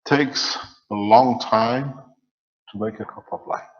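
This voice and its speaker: A man teaching in a slow, measured way, his phrases trailing off at the ends. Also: mid-range voice, fairly even intonation, in a large hall, muffled recording. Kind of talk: spiritual teaching lecture.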